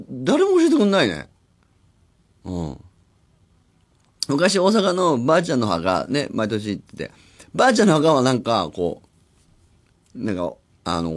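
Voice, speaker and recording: A man in his forties, a radio host, talking in rambling casual chat with animated acted-out asides, in a studio. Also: medium pitch. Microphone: studio microphone.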